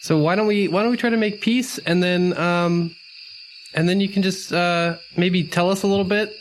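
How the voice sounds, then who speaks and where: A placating, nervous adventurer, played by a man in a tabletop game. He stammers and halts in a fairly high voice, over faint cricket noise. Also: fairly even intonation, natural voice. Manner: halting, stammering. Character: nervous, placating male adventurer calming a beast.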